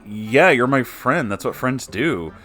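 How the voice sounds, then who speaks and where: A man voicing a flustered, earnest young storyteller in a halting, exasperated manner, as part of a read-aloud story. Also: medium pitch, animated, fairly bright tone, faint music behind. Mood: flustered, shocked.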